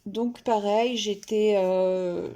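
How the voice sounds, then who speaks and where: Woman, hobby vlogger, casual show-and-tell, hesitant, lots of fillers, mellow tone. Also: mid-range voice, steady tone, extremely slow. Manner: hesitant, many fillers and restarts.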